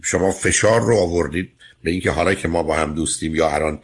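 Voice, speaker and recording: Radio advice host, male, very low and husky, firm and lecturing. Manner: firm, lecturing, interrupts with questions. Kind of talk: call-in advice counseling.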